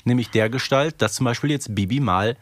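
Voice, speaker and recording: A man speaks as a podcast co-host. His pitch is average for a man, and the recording is dry and free of echo. He talks casually, as in a fan discussion. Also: fairly quick.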